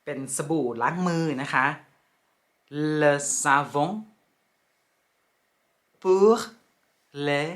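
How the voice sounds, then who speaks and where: A woman teaching pronunciation in a lesson, speaking slowly and deliberately and repeating each word carefully. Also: deep voice. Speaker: French language teacher.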